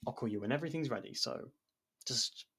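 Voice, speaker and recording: A man playing an abrasive but protective murderer turned investigation partner in an intimate ASMR audio drama, speaking in a halting, guarded way. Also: medium pitch, lively intonation, vocal fry, bright, forceful tone, husky, full character voice. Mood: evasive, awkward.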